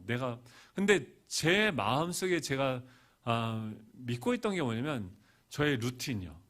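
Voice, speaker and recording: A middle-aged male pastor preaching a storytelling sermon, swinging from hushed asides to loud, animated bursts. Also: a little high.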